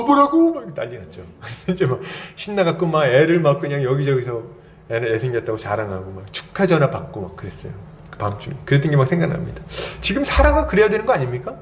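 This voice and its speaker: A man's voice: medium pitch, a little hiss or hum. A man in his thirties, a pastor, preaching a Sunday sermon and telling stories with many rhetorical questions. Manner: lively storytelling with rhetorical questions.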